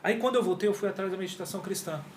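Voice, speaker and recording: A high, rapid-fire male voice comes with a little hiss or hum. The speaker, a yoga teacher from Brazil in his 40s, is an interview guest in a casual conversation, telling his story animatedly, performing his old exchanges, and using lots of slang in an echoey room with faint ambience.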